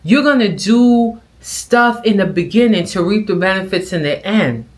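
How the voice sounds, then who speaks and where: A middle-aged woman vlogger giving casual reaction commentary, telling stories in an animated way with acted-out quotes. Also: medium pitch, moderate pace.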